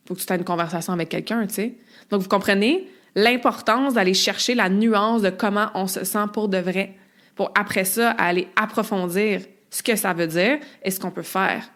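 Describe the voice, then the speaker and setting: A woman hosts a podcast in a casual, chatty monologue. She reels off long lists of words and peppers her talk with little filler asides. Her voice sits at an ordinary middle pitch. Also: fairly bright tone. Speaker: podcast host.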